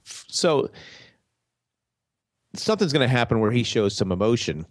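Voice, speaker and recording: A congested, nasal-voiced man co-hosts a laid-back TV podcast, rambling through his theory and restarting sentences midway. His medium-pitched delivery is sing-song and unhurried, recorded with no echo.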